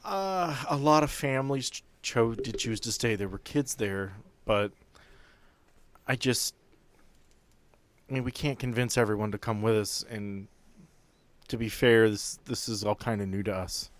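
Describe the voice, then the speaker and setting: A man voicing a humble, apologetic young Amish man in a tabletop game, speaking haltingly. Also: medium pitch, natural voice. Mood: hesitant, regretful. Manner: halting, hesitant.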